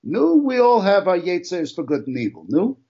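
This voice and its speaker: A blunt, provocative young Hasidic man, played by a man, husky and fairly high-voiced, his pitch swinging widely as he tags a questioning "no?" onto his lines. The recording sounds slightly dull and lo-fi. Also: big pitch swings, normal speed, warm tone, exaggerated voice. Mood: needling. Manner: ends sentences with a questioning "no?".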